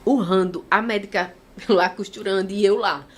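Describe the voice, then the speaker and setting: A woman's voice: mid-range voice, normal speed. Brazilian woman telling a vivid personal story. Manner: animated storytelling, acting out other people's lines. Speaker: guest giving a testimony.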